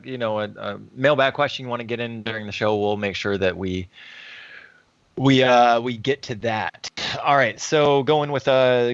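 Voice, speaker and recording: Gravelly man running a podcast. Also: mid-range voice, fairly bright tone, no echo. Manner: runs the show, moves the segments along. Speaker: podcast host. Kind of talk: casual sports chat. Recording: dry, dull lo-fi sound.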